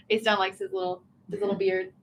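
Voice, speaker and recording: A woman's voice: mid-range voice, little pitch movement, moderate pace, slight background noise. A young woman from Virginia hosting a casual livestream from a small tea room, chatty and giggly as she reads viewer comments aloud. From Virginia, USA.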